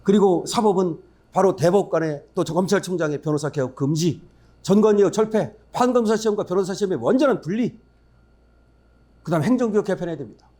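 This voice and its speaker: A man's voice: high-pitched, animated, fairly quick, dark tone. A man giving a political speech at a forum, emphatic and blunt, firing rhetorical questions at the audience. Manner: blunt, scornful asides. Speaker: forum speaker.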